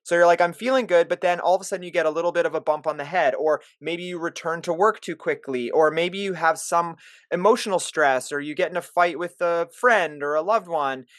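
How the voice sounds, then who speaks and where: A man's voice: fairly high pitch, brisk, a bit bright, no echo, clean studio sound. A middle-aged man, a podcast host and clinician, coaching callers on a live Q&A call with plain explanations and examples.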